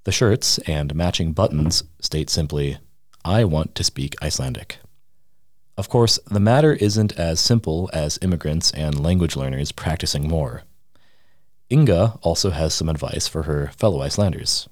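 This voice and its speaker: A man narrating a scripted news feature as a reporter, measured and steady. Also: extremely low pitch, no echo, studio quality. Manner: measured, reads quotes aloud in the same voice. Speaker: radio reporter.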